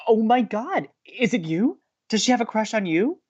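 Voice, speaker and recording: An actor playing a romantic, excitable young man who co-hosts college radio in an audio drama, earnest and expressive. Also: high-pitched, moderate pace, highs cut off. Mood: eager, excited. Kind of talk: naturalistic audio drama acting.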